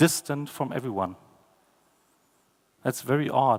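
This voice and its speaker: This man has a German accent. His pitch sits in the medium range. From Germany. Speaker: newspaper publisher. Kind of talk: conference talk. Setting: stage with audience. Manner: hesitant, many fillers.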